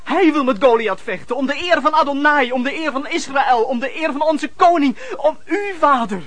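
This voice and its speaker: A man's voice: very high voice, moderate pace, a bit bright, dry recording. An actor playing a king's devoted, earnest son, speaking in solemn, declamatory phrases in a Dutch radio play. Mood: earnest, reverent. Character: king's devoted, earnest grown child, reverent and fervent.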